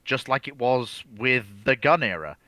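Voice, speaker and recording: A man's voice: mid-range voice, expressive, moderate pace, bright, forceful tone. A man on a discussion panel, explaining off the cuff in a methodical, emphatic way and restating his points. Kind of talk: unscripted expert discussion.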